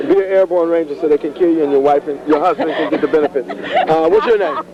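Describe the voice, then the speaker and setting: A man's voice: fairly high pitch, steady tone, fast. An American man hosting informal community TV interviews, with a joking, teasing manner. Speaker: host interviewing young people at a fair. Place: busy auditorium at a fair. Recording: muffled sound, busy crowd noise behind.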